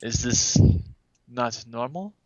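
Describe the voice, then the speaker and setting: A man plays an ancient, naive creature in a tabletop game, puzzled by humans. He speaks stiffly and formally in a bright, mid-pitched voice. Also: expressive, slow, no room sound, lo-fi sound. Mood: puzzled, earnest. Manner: stiff, formal phrasing without contractions.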